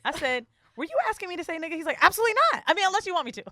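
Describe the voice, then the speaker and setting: A woman's voice: very high-pitched, rapid-fire, no echo, studio quality. A woman podcast host chatting casually and bluntly, swearing freely and telling stories by acting out what people said. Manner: blunt, profane, animated storyteller acting out quotes. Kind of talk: casual banter. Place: podcast studio.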